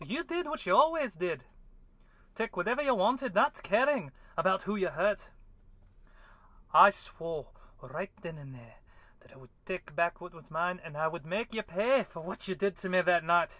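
A man's voice: sits high, animated, normal speed, pushed and bright, no echo. A man playing a wronged, vengeful character in a drama, with intense, accusing delivery. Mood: bitter vengeance. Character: wronged man swearing bitter revenge in a drama. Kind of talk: dramatic character acting demo.

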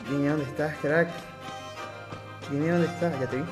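A man's voice: fairly high pitch, fairly even intonation, unhurried. A young man from Venezuela with a Venezuelan Spanish accent, talking through his gameplay in casual chat, hyping his viewers and tagging "eh" onto his lines. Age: young adult. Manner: chatty, hypes viewers, constant filler "eh". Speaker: gaming streamer. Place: small home room. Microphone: headset boom mic. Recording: game music behind the voice. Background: game music.

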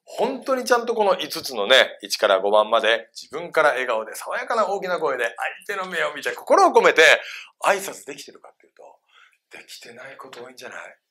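A man leads a live seminar, speaking to a room of adult listeners. His delivery is playful and he keeps turning questions back to the crowd. His voice is bright and forceful, and his pitch swings widely from phrase to phrase. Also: a little fast. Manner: animated, playful, quizzes the audience. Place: seminar room with a live audience of about twenty or thirty adults.

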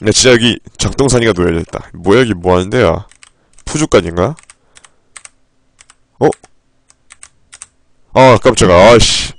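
A male streamer voices a game's text in a flat, low register as he plays live, interrupted by sudden profane outbursts. He speaks a little slowly and pauses often.

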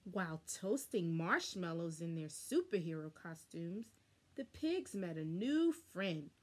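Young lady reading a kids book out loud, takes her time, very expressive, bit of a husky voice. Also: lowish voice. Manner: animated, deliberate, dramatic emphasis. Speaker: storybook reader. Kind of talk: expressive children's story read-aloud. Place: small furnished room indoors.

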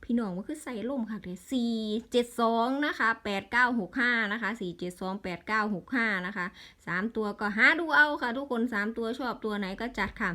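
A woman's voice: on the high side, fairly quick, few pauses, pushed and bright. A woman with an Isan accent in a casual vlog, rattling off lottery number strings and breaking into exasperated grumbles.

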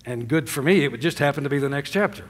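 Preaching quickly and expressively, an older man stands on the stage of a big sanctuary equipped with a drum kit. This pastor pushes to loud highs, then drops to hushed closes, urging the crowd to answer with amens. The sound carries a long, hall-like reverb.

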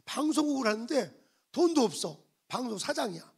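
Male pastor with a raspy voice, preaching to his church; keeps prodding the congregation for amens. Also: extremely high pitch, very animated, normal speed. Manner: emphatic, repetitive prodding of the congregation. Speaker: senior pastor. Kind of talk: sermon. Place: church sanctuary.

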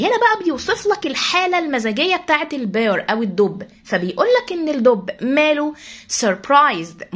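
A woman English teacher with an Egyptian Arabic accent explains a children's story quickly and reads the English sentences slowly. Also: a little high, slightly rough.

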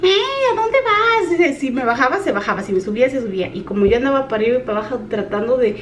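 A woman in her thirties, a mom vlogger telling a story in an animated, chatty way, talking straight to her viewers. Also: on the high side, very fast. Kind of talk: casual storytelling vlog. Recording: echoey room with faint noise.

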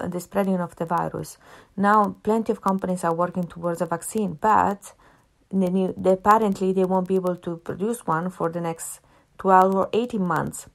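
Female podcast host with an Italian accent, slightly low voice, earnest and repetitive, casual solo delivery. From half Italian, family in Italy. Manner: earnest, repeats phrases for emphasis, some filler words.

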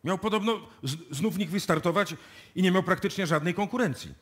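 A seasoned police inspector in his forties for a radio drama. The voice is husky and a little high for a man. He is brisk and wry, doubting what he is told. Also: a bit bright. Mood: puzzled. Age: middle-aged. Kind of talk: radio play acting. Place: music studio, played live before an audience.

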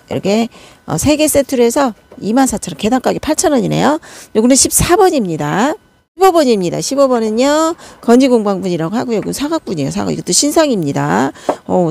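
Woman doing a chatty pot sale, gravelly voice, kinda dark and mellow. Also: mid-range voice. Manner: chatty, counts numbers and prices aloud. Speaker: succulent pot seller. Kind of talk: casual product showcase.

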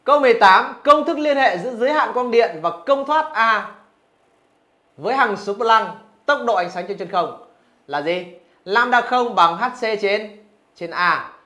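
A man's voice: high-pitched, bright, forceful tone. A male physics teacher going through exam answers, asking his students rhetorical questions as he explains. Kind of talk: exam review lesson.

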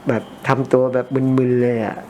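A man's voice: medium pitch, monotone, moderate pace, mellow, slight background noise. A middle-aged man with a Thai accent, hosting an ear-cleaning video and chatting casually to viewers at home while he works, in a rambling, conversational way. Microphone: camera mic, no close-up mic.

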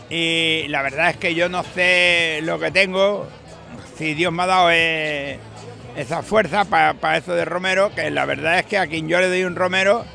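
A man's voice: on the high side, creaky, sharp tone. An older man with an Andalusian accent, chatting in a rambling, folksy, emphatic way in an outdoor interview at night. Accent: Andalusian Spanish. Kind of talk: casual chat. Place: beach bar terrace at night, outdoors. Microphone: handheld mic held by interviewer. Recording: music and crowd faintly behind.

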